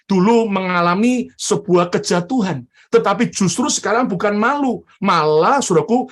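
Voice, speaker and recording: A male pastor preaching a lively sermon, often calling on the congregation to say amen. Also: sits high. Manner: animated preacher, calls for amens.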